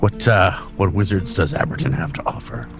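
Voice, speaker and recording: A man's voice: deep voice, lively intonation, a little fast, music in the background. A man playing a tabletop role-playing game, chatting casually with joking, sweary banter.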